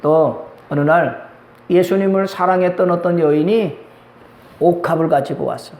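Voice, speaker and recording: High-voiced male pastor preaching. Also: moderate pace, a little mellow. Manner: call-and-response preaching, acting out quoted voices. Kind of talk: sermon. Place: church sanctuary. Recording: echoey church hall.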